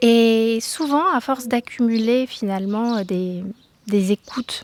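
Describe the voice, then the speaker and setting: Heard in a dry, close sound with no echo, a woman speaks with a fairly high pitch and ordinary pitch variation. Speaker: podcast host. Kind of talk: reflective podcast monologue. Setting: outdoors in her garden. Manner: hesitant, many filler sounds.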